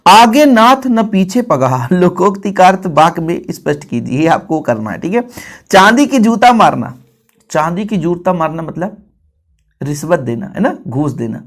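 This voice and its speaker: A man's voice: on the high side, very animated, normal speed. A man teaching an exam-prep lesson, explaining terms, asking questions and repeating answers for his students. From India. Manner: explains, quizzes and repeats, addressing students as children.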